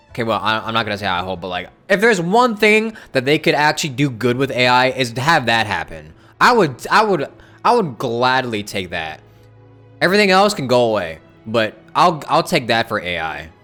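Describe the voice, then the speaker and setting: A man's voice: mid-range voice, pushed and bright. A man casually commentating on a game live stream, rambling as he chats with viewers. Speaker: game livestreamer. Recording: game music behind the voice.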